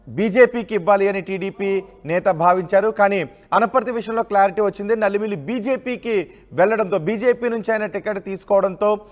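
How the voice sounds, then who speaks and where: A man anchoring a live news bulletin and putting questions to a field reporter. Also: high-pitched.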